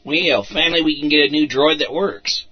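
A man's voice: fairly high pitch, moderate pace, background noise, close to an everyday voice. A man voicing an impatient, folksy trooper sergeant who barks orders at his squad. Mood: gruff. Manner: folksy, bossy, exasperated. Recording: muffled lo-fi recording.

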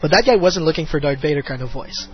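A man's voice: a little high, quick pace. A man hosting a casual fan talk show, rambling with plenty of fillers and restarts. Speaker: podcast host. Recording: muffled lo-fi audio with faint music.

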